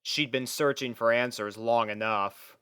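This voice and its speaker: Clear, smooth-voiced male narrator. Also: medium pitch, steady tone, measured pace, sharp tone, no room sound, clean studio sound. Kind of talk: scripted story narration.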